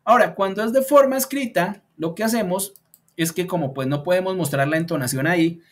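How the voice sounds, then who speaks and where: A male teacher talks through an online beginner lesson, thinking aloud as he adjusts his slides. He leans on fillers and stretches out example sentences slowly so learners can follow the intonation. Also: sits high. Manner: thinks aloud while editing slides, many fillers like "pues" and "entonces"; slows down to model example sentences. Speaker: English teacher.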